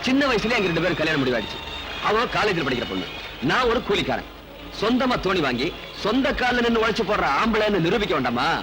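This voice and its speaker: An actor playing a boisterous young fisherman who talks loudly and excitably, in film comedy acting, heard on a film soundtrack with music behind. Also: high voice, fast, rough recording. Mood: earnest. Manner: loud, excitable and bantering. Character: boisterous young male fisherman, loud and clownish. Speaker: film character.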